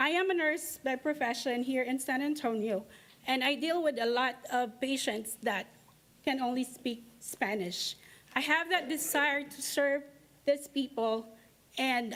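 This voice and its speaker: Speaking in a high pitch with a Filipino accent, a woman talks at a fairly slow pace. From Philippines. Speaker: parent speaking at public comment. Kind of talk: public comment statement. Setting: school board meeting room.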